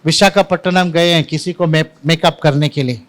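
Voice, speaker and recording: A man's voice: a little high, fairly even intonation, moderate pace, a bit bright. A man preaching a Sunday sermon in church, telling anecdotes and mixing in English words. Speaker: pastor. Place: church service.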